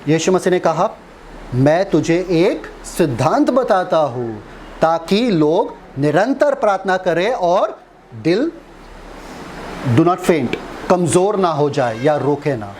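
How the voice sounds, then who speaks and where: A man's voice: fairly high pitch, sing-song, takes it slowly, a little mellow, slight background noise. A man preaching in a casual, conversational style, teasing the audience and asking them questions. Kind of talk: conversational Hindi sermon.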